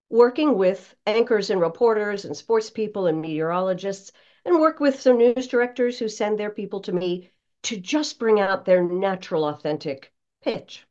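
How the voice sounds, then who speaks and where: A woman's voice: medium pitch, darkish tone. Older American woman, dull lo-fi audio. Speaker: broadcast voice coach, podcast guest. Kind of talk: conversational interview.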